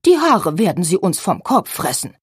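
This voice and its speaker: A woman voicing an agitated, scolding old grandmother in an audiobook, with a low, breathy voice. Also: very animated, normal speed, dry recording, studio quality, heavily acted. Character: scolding old grandmother, loud and sharp-tongued.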